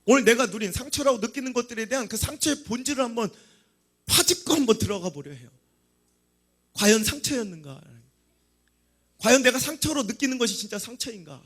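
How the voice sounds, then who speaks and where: A middle-aged man preaches a sermon with great drama, acting out the people's complaints in voices and building to shouts. His voice sits very high for a man. The tone is husky and breathy throughout. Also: lively intonation, brisk, pauses often. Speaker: pastor.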